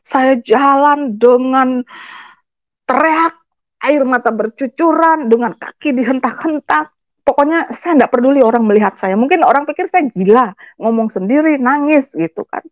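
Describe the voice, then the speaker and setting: A woman's voice: high voice, moderate pace, no echo. Woman giving an emotional testimony. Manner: addresses the audience directly, sprinkles in English words. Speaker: testimony speaker. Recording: dull, dry lo-fi recording.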